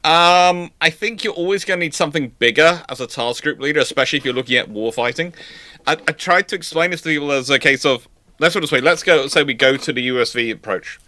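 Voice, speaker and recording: Man chatting casually in halting bursts, dry sound. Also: a little high, pushed and bright, no echo. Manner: halting, rambling, repeats and rephrases words. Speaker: livestream host, naval historian. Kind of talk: casual chat, answering viewer questions.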